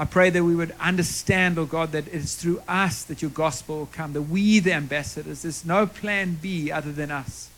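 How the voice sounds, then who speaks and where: With hardly any pauses, a man with a South African accent speaks at a fairly quick pace with a fairly high pitch and fairly even intonation. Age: 50s. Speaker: preacher. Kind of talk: sermon. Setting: church. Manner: fast talker.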